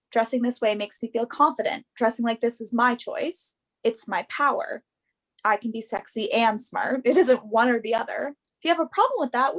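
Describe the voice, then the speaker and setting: High-voiced, earnest young female model, played by an actress. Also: lightly acted. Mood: indignant. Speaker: actor in a virtual staged reading. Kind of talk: naturalistic play reading.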